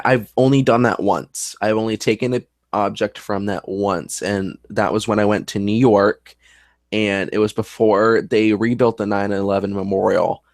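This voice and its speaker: A man's voice: on the low side, vocal fry, no echo, clean studio sound. A man who works as a paranormal investigator, talking in casual conversation in an earnest, rambling way.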